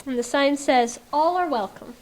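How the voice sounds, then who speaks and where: A woman's voice: sits high, normal speed. A woman reading a children's story aloud as a volunteer. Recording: slightly noisy live room recording.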